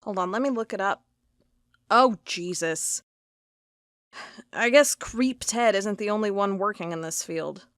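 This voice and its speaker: A woman's voice: medium pitch, unhurried, pauses often, a bit bright, dry recording, studio quality. A woman playing a wry young office worker in an audio drama, talking casually and reading aloud in a conversational way. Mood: dry, casual.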